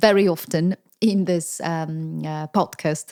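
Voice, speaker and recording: A woman with a Polish accent speaks at a fairly low pitch with fairly even intonation. The recording is very clean and silent in the background, with a dry, close sound and no echo. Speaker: English teacher. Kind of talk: podcast monologue. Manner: halting, many fillers.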